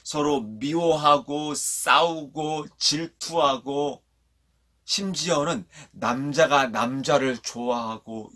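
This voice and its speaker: A man preaching a children's sermon, telling a Bible story in a lively way, asking the kids questions and having them repeat lines after him. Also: medium pitch. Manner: animated storyteller. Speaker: children's pastor.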